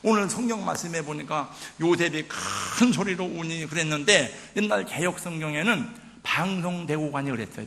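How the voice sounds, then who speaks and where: 목소리가 거칠고 억양이 풍부한 나이 든 남자 목사. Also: male voice, a little high, creaky, fairly bright tone, slight background noise. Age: older. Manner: vivid, emotional storytelling with many interjections. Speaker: pastor. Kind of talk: sermon. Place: church sanctuary. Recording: church hall reverb.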